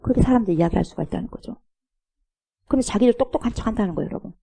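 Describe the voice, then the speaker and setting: A woman's voice: medium pitch, animated, rapid-fire, creaky, warm tone, slightly rough. A middle-aged woman pastor preaching a sermon emphatically, firing rhetorical questions and mocking the scoffers she imitates.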